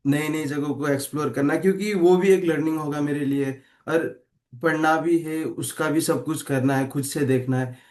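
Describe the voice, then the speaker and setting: Young man in his twenties, slightly high voice, halting participant sharing his story. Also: fairly even intonation, darkish tone. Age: 20s. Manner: hesitant, searching for words. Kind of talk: casual personal sharing.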